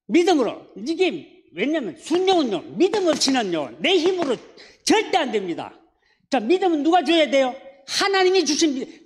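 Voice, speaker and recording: High-voiced Gyeongsang pastor preaching. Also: male voice. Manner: asks the congregation questions. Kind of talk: sermon. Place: church. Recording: echoey church hall.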